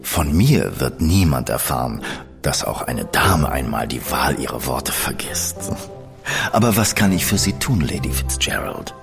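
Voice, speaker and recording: An actor playing a shrewd, menacing gentleman schemer who speaks in a smooth, ironic and condescending manner. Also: rumbling low, very animated, unhurried, soft background music, full character voice. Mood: suave. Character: shrewd, cool male gentleman spymaster, coldly menacing. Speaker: gentleman in an audio drama. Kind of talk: studio audio drama acting.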